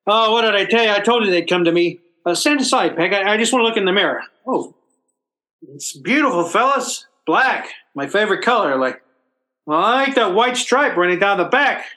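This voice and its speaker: A man's voice: high voice, animated, brisk, pushed and bright. An actor playing a stubborn, sentimental working-class everyman in radio comedy, plaintive and colloquial. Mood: moved, delighted. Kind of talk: old-time radio comedy acting.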